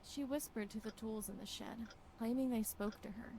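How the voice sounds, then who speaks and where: Actress doing a grave horror game woman reading creepy diaries, formal and dramatic, lots of creak, noisy ambience behind. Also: on the high side, fairly even intonation, moderate pace, dark tone, natural voice. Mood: brooding, sinister. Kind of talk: scripted horror game narration.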